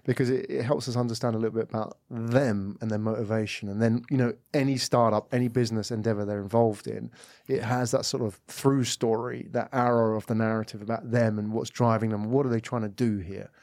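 A man hosts an interview podcast, talking in loose, rambling questions. His voice sits at a middle pitch. The studio sound is dry and close. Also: fairly even intonation, fairly quick, few pauses, darkish tone, no room sound. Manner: chatty, rambling questions with frequent "mm" backchannels. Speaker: podcast host.

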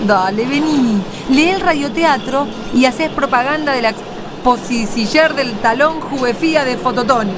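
A woman's voice: high voice, moderate pace, noisy background. A woman with an Argentine accent, hosting and narrating a scripted radio theatre piece. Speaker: radio play host and narrator.

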